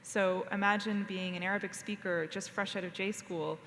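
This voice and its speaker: A woman's voice: mid-range voice, fairly even intonation, normal speed, fairly bright tone. Woman rambling on a panel in a hall. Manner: rambling with many fillers and restarts. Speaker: panelist, foreign correspondent. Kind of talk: panel discussion. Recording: reverberant hall, faint noise.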